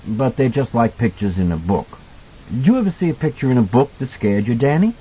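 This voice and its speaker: Audiobook role: kindly older male cook, played by a man. Husky, very animated, folksy, earnest and protective. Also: mid-range voice, brisk, dull audio, voice pushed up. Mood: earnest, reassuring. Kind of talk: audiobook character dialogue.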